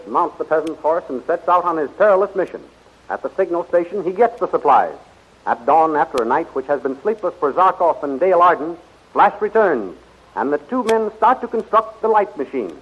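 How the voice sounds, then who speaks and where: A muffled 1930s radio recording of a serial narrator. His voice is high for a man. He reads scripted adventure narration dramatically. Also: animated, a little fast, slightly rough. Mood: dramatic. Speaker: announcer, narrator.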